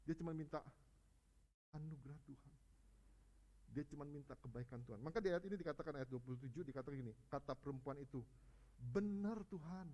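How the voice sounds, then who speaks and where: A male preacher giving a lively, conversational sermon at a church service, alternating loud rising peaks with quiet low stretches and often addressing the congregation directly. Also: fast, long pauses.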